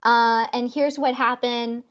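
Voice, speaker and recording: A woman investor talks things through on a panel, earnest and reflective. Her voice sits a little high. The audio is dull and lo-fi, like a video call. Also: steady tone, slow pace. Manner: earnest, reflective, acts out quoted dialogue. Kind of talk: casual panel discussion.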